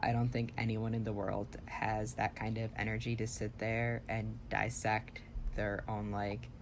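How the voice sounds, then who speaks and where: Young trans man, podcast co-host, gravelly, profane, joking, noisy background. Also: lowish voice, little pitch movement, a little slow. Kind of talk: casual podcast chat.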